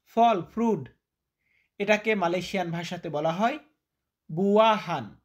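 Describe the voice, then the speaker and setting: A man's voice: sits high, slow pace, muffled recording. A man teaching vocabulary, repeating each word and quizzing the listener. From Bangladesh. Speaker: language teacher. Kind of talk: vocabulary lesson.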